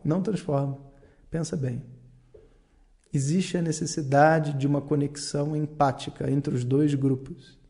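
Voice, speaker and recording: An earnest man with a Brazilian Portuguese accent talks through his ideas in a reflective monologue. His voice sits a little high but sounds dark and mellow, with a gravelly edge. He explains patiently, pausing often. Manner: earnest, explanatory, many fillers and pauses.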